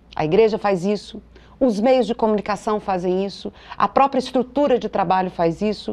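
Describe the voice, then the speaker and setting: A woman talks at a moderate pace with a dark, mellow tone. Her pitch is fairly high, with ordinary pitch variation. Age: 50s. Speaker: political candidate and teacher; candidate, teacher. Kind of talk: political interview. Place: studio. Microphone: lapel.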